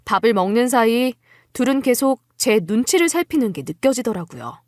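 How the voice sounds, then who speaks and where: A woman plays a wary young wife with a quiet cunning, narrating her story in scripted first person with composed politeness. Her voice is a little high, and the recording is dry with clean studio sound.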